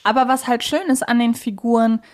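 A woman's voice: on the high side, fairly even intonation, fairly quick, darkish tone. A woman hosting a podcast in a casual, chatty, informal way. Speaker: podcast host. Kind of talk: casual chat, podcast discussion.

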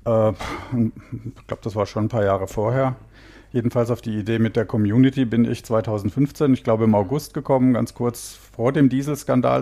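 A man's voice: lowish voice, dark tone. A man from Hesse, a guest engineer, answering interview questions in a thoughtful way and laughing easily. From Hesse, Germany.

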